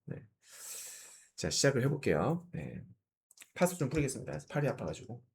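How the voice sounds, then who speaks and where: A middle-aged man with a cold and a slightly hoarse voice hosts an investment channel, explaining market news to viewers with rhetorical questions, fillers and frequent throat clearing. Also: medium pitch, sing-song, normal speed.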